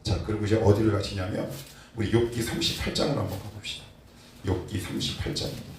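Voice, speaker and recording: A male pastor preaching a sermon, asking his congregation rhetorical questions and swinging between loud and soft. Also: lowish voice, steady tone, fast talker. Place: church sanctuary. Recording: very echoey hall, distant mic, faint noise.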